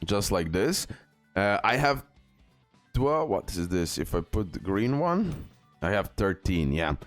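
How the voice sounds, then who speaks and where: Low-voiced man guiding through a game. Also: sing-song, unhurried, no echo. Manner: instructional, repeats himself, frequent check-in tags. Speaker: gaming YouTuber host. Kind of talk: casual game guide commentary over gameplay. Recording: music behind the voice. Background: music under gameplay commentary.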